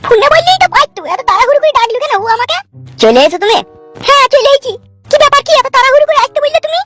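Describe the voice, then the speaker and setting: A woman plays a chattering young wife in a comedy cartoon, squeaky and very high. She fires off nagging questions at speed, bright and sharp, while soft music plays behind. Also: expressive, very fast. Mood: curious. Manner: shrill, nagging, pestering questions. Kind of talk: cartoon voice acting.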